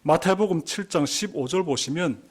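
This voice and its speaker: Korean pastor preaching a deliberate sermon. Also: male voice, a little high, slightly rough. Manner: deliberate preaching, repeats key words, rises for emphasis. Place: church sanctuary.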